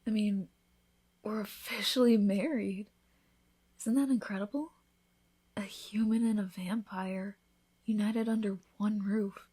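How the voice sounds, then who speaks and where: A woman voicing an affectionate, teasing newlywed vampire in an intimate, soft-spoken ASMR roleplay, with tender, breathy delivery. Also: medium pitch, fairly even intonation, measured pace, long pauses. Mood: happy, loving.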